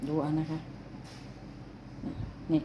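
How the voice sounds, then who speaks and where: A woman's voice: extremely slow, background noise. A woman filming her cats at home, chatting to them fondly and scolding them like children. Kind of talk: casual vlog narration. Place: home indoors.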